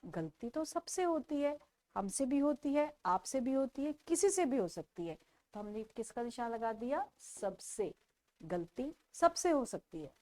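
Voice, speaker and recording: A woman teaching a children's textbook lesson, repeating each question and answer slowly for young pupils. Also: high voice, warm tone.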